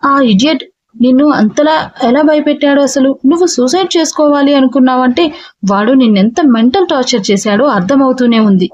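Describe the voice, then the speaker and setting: A man's voice: very high-pitched, a little fast, a little mellow, no echo, muffled recording, pitched above the performer's own voice. A woman voicing a protective young man who speaks earnestly and heatedly in a storybook reading. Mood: indignant, protective.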